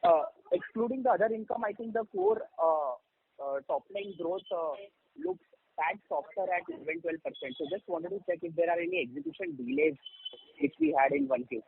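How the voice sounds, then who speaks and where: A man's voice: high voice, sing-song, normal speed, gravelly, breathy edge. A male analyst politely asking about execution delays on an earnings call, addressing the executive as sir. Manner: polite, deferential, says sir. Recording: tinny phone line.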